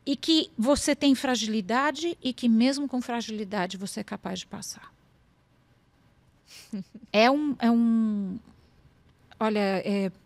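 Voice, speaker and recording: A woman's voice: a little high, dry recording. Emphatic Brazilian woman telling stories. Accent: Brazilian Portuguese. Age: middle-aged. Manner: earnest, emphatic, storytelling with quoted dialogue. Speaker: lawyer and podcast guest. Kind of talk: conversational interview.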